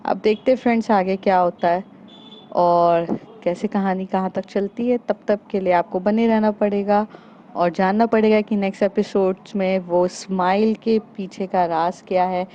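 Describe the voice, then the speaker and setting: Woman storyteller, chatty and unhurried, mellow tone, lo-fi sound. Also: mid-range voice, a little hiss or hum. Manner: chatty, with fillers, addresses listeners as friends. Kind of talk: casual spoken storytelling. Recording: dull lo-fi recording.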